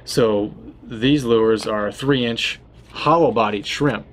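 A medium-pitched, slow-paced man in his thirties from Florida, a tackle shop host, talks casually through fishing tactics against slight background noise. His relaxed, conversational style is packed with uh fillers and restarts.

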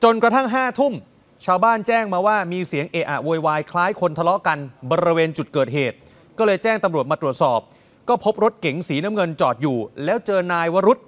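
A man presents the news with a high, ringing voice. He puts heavy stress on his words and keeps turning to the audience as he reports. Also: animated, fairly quick, a bit bright. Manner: emphatic, addresses viewers directly.

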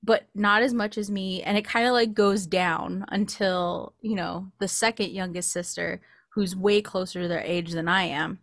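A woman's voice: mid-range voice, fairly even intonation, moderate pace, no room sound. An American woman in her late twenties chatting casually as a podcast co-host, telling personal stories into a close studio mic. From California, United States. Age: late 20s. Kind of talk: casual chat, personal anecdotes. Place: small indoor home recording setup. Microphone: close studio mic with pop filter.

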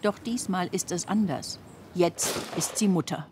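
A woman's voice: lowish voice, a little slow, background noise. A woman reading scripted narration for a television documentary report.

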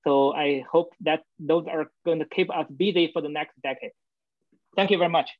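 A man presents a science lecture over a video call, pausing often with fillers as he works through his slides. His voice sits somewhat high for a man. The sound is dull and dry. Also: fairly even intonation, no room sound. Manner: halting, many fillers like "uh, you know". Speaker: guest speaker. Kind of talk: academic colloquium talk over video call.

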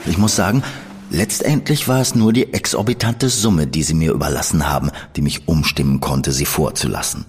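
An actor playing a shrewd, menacing gentleman schemer who speaks in a smooth, ironic and condescending manner. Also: extremely low pitch, moderate pace, soft background music. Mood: cold. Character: shrewd, cool male gentleman spymaster, coldly menacing. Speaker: gentleman in an audio drama. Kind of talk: studio audio drama acting.

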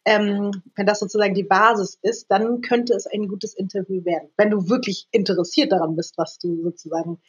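A woman's voice: mid-range voice, fairly even intonation, a little fast, hardly any pauses, husky, dull audio. A woman in her thirties, a guest on a podcast, talking at length and laughing often. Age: 30s. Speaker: guest, presenter and author. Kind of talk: casual interview.

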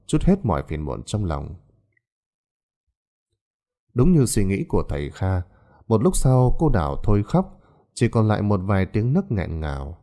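A man narrating a horror story in a dramatic, expressive scripted style. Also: sits low.

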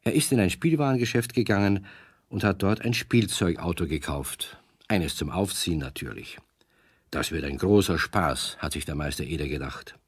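Male narrator for children's audio stories, low voice, expressive range, dry studio sound. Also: moderate pace, slightly rough, no room sound. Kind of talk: scripted storytelling narration for children.

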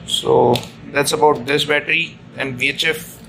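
A man giving an informal hands-on equipment tutorial, halting and repeating himself, recorded on a phone indoors. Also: mid-range voice, vocal fry. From India. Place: indoors at a chart table aboard ship. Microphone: handheld phone camera mic. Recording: noisy room, amateur phone video. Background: steady room noise.

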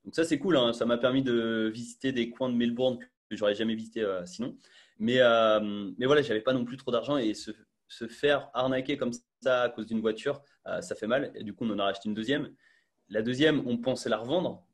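A man's voice: medium pitch, brisk. A young man talking casually as a guest on a video call, with many fillers and restarts, through an earphone mic. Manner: chatty, full of fillers and restarts. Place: small bright room indoors.

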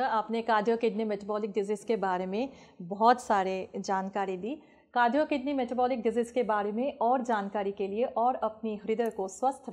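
A woman's voice: mid-range voice, darkish tone. Young female TV anchor, formal. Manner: formal, asks questions. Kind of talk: scripted show hosting. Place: TV studio set.

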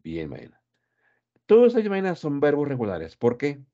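A man teaches English grammar in Spanish, explaining patiently and drilling pronunciation by saying each word several times. His voice is on the high side and dark in tone, with huge pitch swings and a normal speed, and the audio sounds dull.

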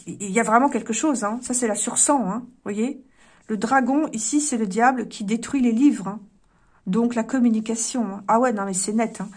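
A woman lays out cards and talks her viewers through each one, thinking aloud with plenty of fillers and restarts. Her voice sits a little high, and she muses more than she lectures, turning each card over in casual chat. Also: darkish tone. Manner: musing, talks straight to viewers. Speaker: card reader. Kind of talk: casual card reading to camera.

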